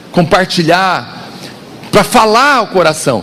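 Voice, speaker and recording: A man with a high pitch speaks at a fairly slow pace over noticeable background noise. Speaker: pastor. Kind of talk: sermon. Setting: stage with audience. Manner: soft-spoken.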